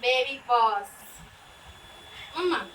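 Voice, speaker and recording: A woman's voice: high voice, animated, drawn-out words, a crowd in the background. A woman teasing playfully in casual family banter. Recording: distant, echoey and noisy phone pickup.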